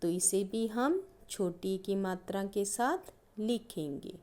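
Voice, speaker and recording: A woman teaching young pupils at an unhurried, measured pace. She speaks patiently and draws out every example word so the children can hear each sound. Her voice sits at an ordinary middle pitch. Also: a little mellow. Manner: slow, drawn-out stressing of each example word. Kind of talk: primary-school grammar lesson.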